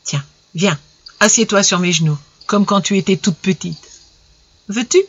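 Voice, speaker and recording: A kindly older father speaks softly and patiently, as a storyteller reads his lines, drawing out each question to coax his tearful daughter. The audiobook sound is dull and lo-fi. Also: mid-range voice. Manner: gentle, coaxing, slowed questions.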